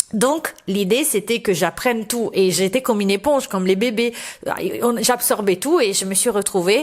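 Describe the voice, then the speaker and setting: A woman speaks at a fairly slow pace in a fairly high voice, her pitch varying in an ordinary way, with noticeable background noise. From Italy. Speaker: interviewee, beauty blogger. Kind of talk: interview.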